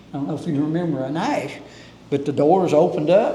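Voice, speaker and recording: A man speaks very fast with an Appalachian accent. The room echo is audible. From Kentucky, Harlan County (Appalachia). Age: 70s. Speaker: local resident sharing town history. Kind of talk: casual interview. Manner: halting with fillers.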